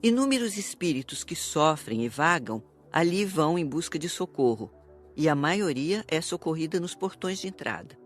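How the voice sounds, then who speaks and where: Higher-pitched man reading an audiobook. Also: big pitch swings, moderate pace, faint music behind. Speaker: audiobook narrator. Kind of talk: scripted narration with quoted explanations.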